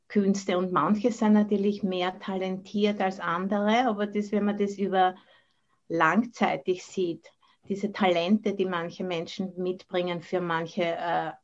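Austrian woman giving a casual buddhist talk, mixes in english words, kinda muffled lo-fi zoom sound. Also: medium pitch. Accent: Austrian German. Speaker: Buddhist nun and meditation teacher. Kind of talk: informal dharma talk. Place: online video call from the monastery. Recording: dull, band-limited video call audio.

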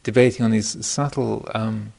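A man giving an informal dharma talk as a meditation teacher, speaking thoughtfully and hesitantly, often pausing mid-phrase, in a gravelly voice. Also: lowish voice, fairly even intonation, a little mellow. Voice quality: gravelly, creaky voice. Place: meditation retreat center.

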